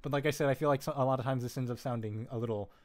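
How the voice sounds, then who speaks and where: Male streamer, smooth clear voice, mid pitch, easygoing technical walkthrough, frequent self-corrections and filler words. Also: fairly even intonation, very fast, a little mellow. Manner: rambling, self-correcting, lots of "um" and "like"; laid-back, jokey asides. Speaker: live-stream host teaching vocal synth tuning.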